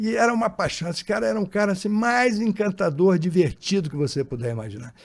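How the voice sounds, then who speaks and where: A man talks fairly quickly with very wide pitch swings in a very clean recording with a silent background. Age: 60s. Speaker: politician and businessman. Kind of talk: interview conversation. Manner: animated.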